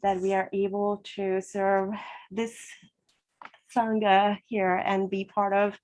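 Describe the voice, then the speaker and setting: A woman from Sri Lanka speaks at a ceremony, thanking everyone with a voice of ordinary, middle height. She sounds moved and grateful, slipping in soft laughs between her words. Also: mid-range voice, monotone, slow pace, rough recording. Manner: emotional, laughing softly, grateful. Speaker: event co-sponsor. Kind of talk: heartfelt speech at a ceremony.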